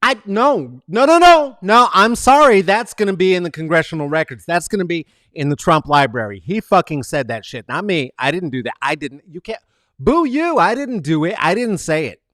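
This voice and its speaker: A man hosting a casual comedic monologue, rambling and profane with plenty of fillers. His voice sits fairly high and swings widely. The sound is dry and close. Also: big pitch swings, moderate pace, a bit bright, dry recording. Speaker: podcast host.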